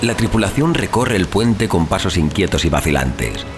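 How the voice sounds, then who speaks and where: A man's voice: low voice, sing-song, normal speed. A man playing an anguished young adventurer, narrating a horror sea tale in a theatrical, literary, intense style. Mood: awed dread. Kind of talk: dramatic horror audiobook narration. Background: music.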